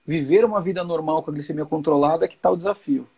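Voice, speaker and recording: A man's voice: fairly high pitch, quick pace, vocal fry, a little mellow, breathy edge. A man in his forties hosting a live chat, explaining with reassurance and repeating key points. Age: 40s. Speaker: host.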